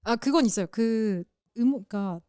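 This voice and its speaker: A woman co-hosting a casual podcast chat, explaining music in an animated way and sometimes imitating sounds. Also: on the high side, normal speed, clean tone, dry recording, clean studio sound.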